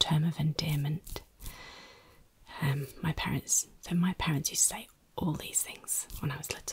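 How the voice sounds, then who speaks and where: Whispering, a woman keeps a moderate pace. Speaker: ASMR creator. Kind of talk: soft ASMR word repetition with casual chat.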